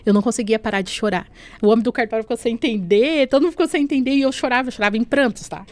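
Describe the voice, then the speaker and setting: A woman's voice: on the high side, very fast. A woman sharing an emotional faith testimony on a podcast, acting out the dialogue she remembers and often adding tag questions. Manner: storytelling that acts out remembered dialogue; leans on tag questions and softening fillers. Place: podcast studio.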